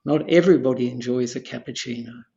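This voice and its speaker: A Buddhist monk from Australia, in his seventies, gives a slow teaching talk as a podcast guest, wandering, repeating phrases, and chuckling softly. His mid-range voice carries vocal fry, and the sound quality is lo-fi.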